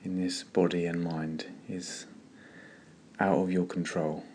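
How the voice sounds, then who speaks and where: A man leading a guided meditation in a slow, calm, gentle way with long pauses. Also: low voice, a little hiss or hum.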